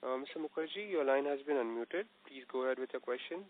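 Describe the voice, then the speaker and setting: A man's voice: medium pitch, fast. A man, a conference call moderator making polite, scripted announcements. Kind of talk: formal announcements. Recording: phone line.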